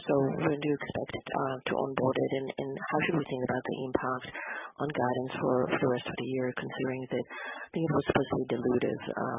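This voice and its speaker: A male analyst asking questions on an earnings call. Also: a little high. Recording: noisy telephone line with clicks.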